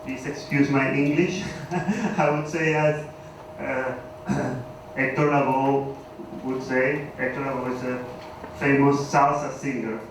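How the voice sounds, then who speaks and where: A man's voice: medium pitch, steady tone, slow. A man from Venezuela with a Venezuelan Spanish accent, giving an academic conference talk in a hesitant, self-deprecating way with many fillers and restarts. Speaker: conference speaker. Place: university conference hall. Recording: echoey hall, far from the mic, faint hiss.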